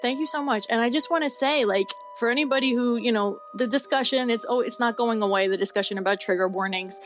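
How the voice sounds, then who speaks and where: Excitable, higher-voiced woman in her forties. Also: quick pace, faint music behind. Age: 40s. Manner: effusive, exclaiming, excitable. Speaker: guest horror author. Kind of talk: casual interview chat.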